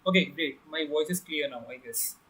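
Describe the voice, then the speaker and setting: A man's voice: on the high side, moderate pace, bright, forceful tone, husky, low-quality recording. A young man teaching an online bootcamp on a live stream, casually checking in with viewers and using many fillers while his camera is off. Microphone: computer mic on a live video stream, camera off.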